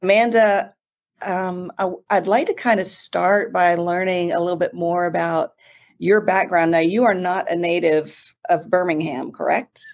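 A woman hosting an interview podcast, reading a guest's introduction and asking relaxed questions. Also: lowish voice, unhurried. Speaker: podcast host.

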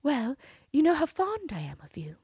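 A woman's voice: high voice, wildly swooping pitch, normal speed, darkish tone, no echo, clean studio sound, voice pushed up, heavily acted. A woman doing a sweet wheedling princess. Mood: coaxing. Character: young princess, coaxing and cunning.

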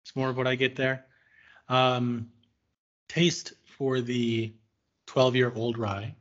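A man's voice: medium pitch, little pitch movement, takes it slowly, muffled recording. A man hosting a casual whiskey tasting, thoughtful and searching for words, with frequent fillers.

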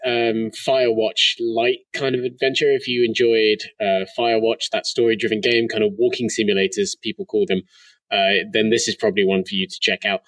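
A man with a lowish voice co-hosts a relaxed podcast chat, his speech full of casual "like" fillers. His muffled mic makes him sound as if he is talking through a tin can. The voice sits back from the mic in a dry, dead-sounding space. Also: brisk, dry recording, recorded from a distance. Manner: chatty, many "like" fillers. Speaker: co-host.

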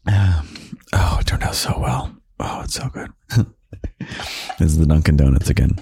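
Very deep, gravelly whispering man. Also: expressive, no room sound. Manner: gentle, slow and half-whispered, with soft chuckles. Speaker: podcast host. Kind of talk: soft-spoken ASMR comfort talk. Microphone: close microphone.

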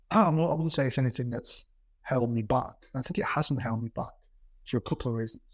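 A middle-aged business executive with a slightly rough, husky, medium-pitched voice speaks briskly in a reflective conversational interview, sharing anecdotes. He stammers noticeably, repeating words as he goes, and his manner is plain-spoken. The sound is dry and close with no room to it.

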